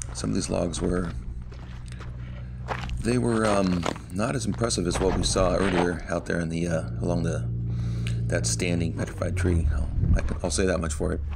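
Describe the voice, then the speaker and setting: Long, frequent pauses break up a man's moderate pace amid loud background noise. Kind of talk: casual vlog chat. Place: open country. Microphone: phone near.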